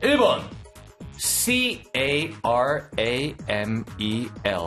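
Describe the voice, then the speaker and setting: A man co-hosting a quiz show, reading questions and reacting with quick, rising checks of the answers. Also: medium pitch, sing-song, a bit bright, soft background music.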